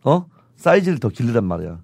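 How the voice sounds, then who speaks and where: A man who talks in a very quick, playful rush, his voice fairly high and bouncing through a wide range. He trades quips in casual talk-show chat, recorded close and dry. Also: big pitch swings, creaky, a little mellow, no room sound. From Chungcheong, South Korea. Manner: rapid, playful banter. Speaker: co-host.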